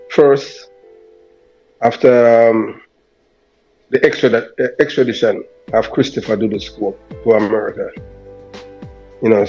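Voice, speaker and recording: A man's voice: mid-range voice, mellow, slightly rough. A man with a Jamaican accent speaking as an interview guest in casual patois sprinkled with Rasta speech. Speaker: guest, former police officer. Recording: dull lo-fi sound, music behind.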